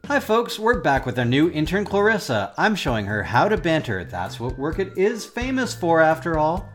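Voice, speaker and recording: A man hosts a comedy show with upbeat scripted delivery. His pitch is highly animated, and light music plays behind him. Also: normal speed. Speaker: comedy host. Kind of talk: upbeat scripted sketch hosting.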